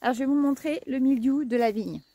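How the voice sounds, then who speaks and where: A woman's voice: high voice, fairly quick, dark tone, a little hiss or hum. A woman hosting a casual gardening video outdoors, chatty and playful, tripping over words and laughing at herself. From France.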